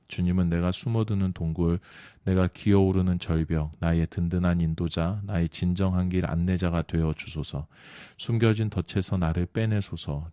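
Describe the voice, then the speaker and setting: A man with a very low voice reads scripture aloud in a steady, measured way. His tone is dark and mellow. The recording is close and dry, with no room sound. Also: no echo. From South Korea. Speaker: scripture reader. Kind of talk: scripted Bible reading.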